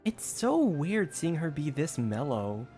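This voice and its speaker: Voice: medium pitch, very animated, slow pace, dark tone, soft background music. A streamer giving casual, musing commentary on a game, thinking aloud a little hesitantly.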